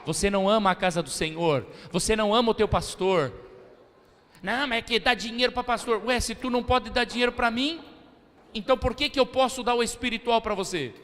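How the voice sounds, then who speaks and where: A man's voice: sits high, brisk, fairly bright tone. A man with a Brazilian Portuguese accent preaching a sermon as pastor, drawing call-and-response from the congregation and acting out the voices of church members. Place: church sanctuary, long reverb. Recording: hall reverb of a church service.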